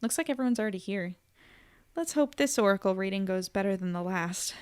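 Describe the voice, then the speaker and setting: A woman's voice: medium pitch, lively intonation, a little fast, smooth, close to an everyday voice. A young woman acting a casual, wry, self-deprecating journalist who talks as if keeping an audio diary. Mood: friendly. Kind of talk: audio drama monologue, diary-like.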